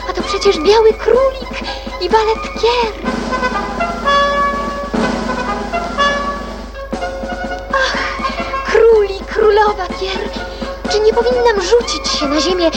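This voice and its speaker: An actress playing a curious, outspoken young girl in a children's radio play, both acting and narrating. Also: extremely high pitch. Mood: amazed. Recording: music behind the voice.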